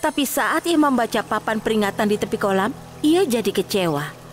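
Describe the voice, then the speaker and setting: A woman's voice: on the high side, lively intonation, normal speed, soft background music. A woman narrating a scripted children's fairy tale as the storyteller.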